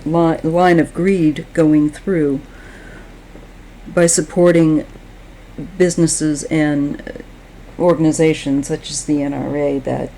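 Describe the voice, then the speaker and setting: Slow, low-voiced woman reading tarot. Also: mellow, slight background noise, low-quality recording. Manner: slow, halting, reflective. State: losing her voice. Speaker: tarot reader.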